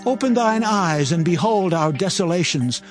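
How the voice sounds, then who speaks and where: A man's voice: high voice, lively intonation, normal speed. A man playing a devout Hebrew prophet in a dramatized Bible reading, praying in a solemn, imploring, declamatory way. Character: Daniel, devout Hebrew prophet pleading penitently with God. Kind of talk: dramatized scripture reading, archaic English. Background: music.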